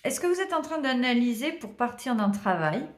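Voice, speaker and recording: A woman chats her way through a tarot reading, thinking aloud and filling gaps with hesitations. Her voice sits slightly high. The room around her rings with noticeable echo. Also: sing-song, normal speed. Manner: chatty, warm thanks, many hesitations and small laughs. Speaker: tarot reader. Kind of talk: casual card-reading chat to viewers. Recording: roomy echo.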